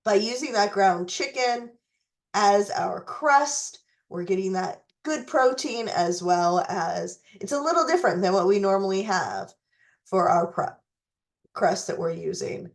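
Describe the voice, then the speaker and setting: A woman hosting a recipe tutorial who is losing her voice and fighting a cough, talking in a deliberate way with some fillers. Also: mid-range voice. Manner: slow, deliberate, with fillers and restarts. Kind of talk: reading a letter, then walking through recipes.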